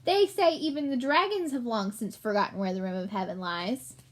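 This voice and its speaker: A woman voicing a fussy, world-weary old white rat with a shrill voice and a knowing manner in a storybook. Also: brisk, lightly acted. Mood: curious.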